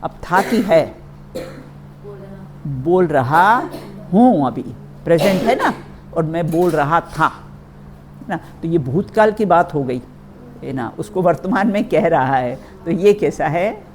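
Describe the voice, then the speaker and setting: A woman's voice: lowish voice, animated, slow pace, long pauses, a little mellow, slight background noise. A woman teaching a religious philosophy class in a study hall, checking in often with her listeners.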